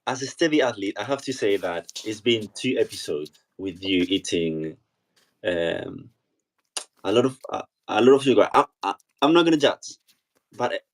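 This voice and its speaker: A man's voice: fairly low pitch, animated, moderate pace, poor audio. A man co-hosting a podcast as a fitness coach, teasing and laughing often and repeating his words. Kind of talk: casual chat.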